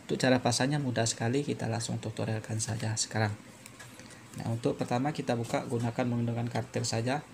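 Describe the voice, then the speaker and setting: Flat-toned man with gravelly creak. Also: medium pitch, background noise. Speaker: phone repair tutorial presenter. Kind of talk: unscripted step-by-step tutorial narration.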